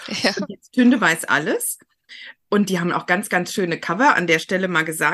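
Lively intonation runs through a woman's speech. Her tone is bright and sharp against a quiet background. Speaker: podcast host and author. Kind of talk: casual interview chat about books.

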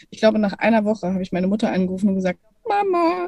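A woman with a dark, mellow tone. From northern Germany, Lüneburg Heath. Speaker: magazine publishing executive. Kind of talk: interview. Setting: video call.

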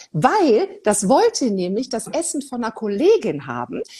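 Her tone is dark and mellow, and her pace moderate. This woman's pitch makes very wide swings. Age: 50s. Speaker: early childhood attachment advocate. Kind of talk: casual chat.

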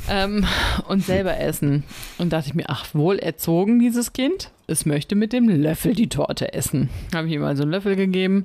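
A woman's medium-pitched voice with a dark, mellow tone, lively intonation and a fairly quick pace. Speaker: podcast co-host. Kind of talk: casual chat.

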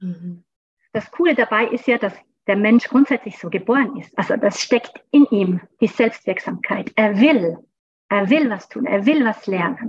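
Big swings in loudness, a fairly slow pace, a somewhat breathy quality and lively intonation. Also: woman, fairly high pitch for a woman. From Switzerland. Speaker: early childhood educator and adult educator. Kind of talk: podcast interview.

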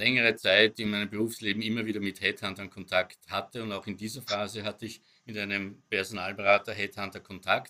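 A man with a fairly low pitch and a bright, sharp tone talks fairly quickly in monotone, flat intonation. The recording is very clean, with a silent background. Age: 60s. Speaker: bank executive. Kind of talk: interview.

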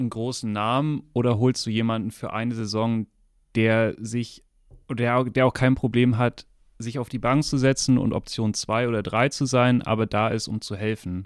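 In a very clean recording with a silent background, a man speaks at a moderate pace and medium pitch with a monotone, flat intonation. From northern Germany, Kiel. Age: 30s. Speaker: sports journalist. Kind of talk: casual chat.

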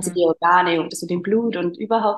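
A woman with a normal speaking voice talks with ordinary pitch variation. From Bavaria, Germany. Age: 30s. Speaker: intensive care nurse and life coach. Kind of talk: casual interview.

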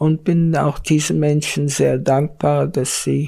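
Dark and mellow, a woman's voice carries vocal fry and ordinary pitch variation. She speaks at a very slow pace. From Austria. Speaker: Holocaust survivor. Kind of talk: oral history interview.

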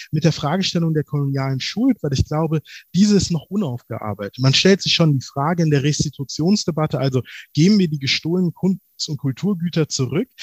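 In an ordinary speaking voice, a man with a fairly high pitch talks at a fairly quick pace with lively intonation, the sound dry and close with no echo. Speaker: political scientist. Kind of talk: panel discussion. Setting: video call.

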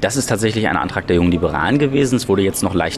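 Against noticeable background noise, a man speaks at a fairly low pitch. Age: 20s. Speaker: young politician. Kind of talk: interview.

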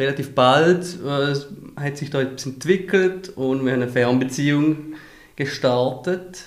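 At a very slow pace, a man speaks with a fairly high pitch amid audible room echo. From Romanshorn, Swiss Lake Constance. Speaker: youth worker, father. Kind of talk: interview. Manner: halting, many hesitations.

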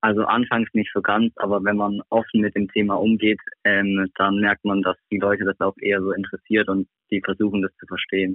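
The man's loudness stays very even while his intonation is monotone and flat. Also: fairly low pitch for a man, fairly quick pace. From Stuttgart, Germany. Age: 20s. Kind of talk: personal story on phone. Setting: phone call.

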